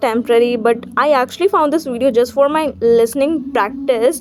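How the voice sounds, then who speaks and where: Someone with an Indian accent speaks at a moderate pace over noticeable background noise. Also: woman. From India, Bihar (Patna). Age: 20s. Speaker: English learner YouTuber. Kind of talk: casual vlog talk to camera. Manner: upbeat.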